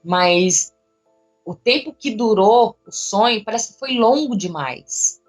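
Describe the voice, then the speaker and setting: A young woman, telling a personal story in an interview in an emotional, animated way with casual slang. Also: on the high side, slow pace, faint music behind. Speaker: interviewee, psychic.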